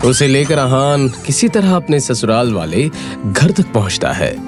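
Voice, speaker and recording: A man narrating a dramatic audio story in an expressive storytelling manner. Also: medium pitch, unhurried. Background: background music.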